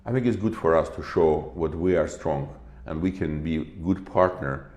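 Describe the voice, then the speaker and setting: A man's voice: very deep voice, normal speed, darkish tone, lo-fi sound. A middle-aged man being interviewed, speaking earnestly in non-native English, repeating and restarting phrases for emphasis. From Armenian origin, Russian citizen. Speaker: interview guest. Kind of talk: earnest political discussion. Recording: roomy echo.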